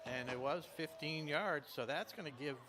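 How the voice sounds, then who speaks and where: A man's voice: fairly high pitch, normal speed, background noise. A man doing live play-by-play commentary for a local football broadcast, outdoors at the field.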